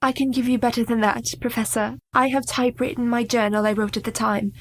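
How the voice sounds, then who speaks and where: A woman's voice: fairly high pitch, steady tone, a little fast. A woman playing an earnest, capable young wife. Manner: polite, earnest, formal speech. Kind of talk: radio play acting.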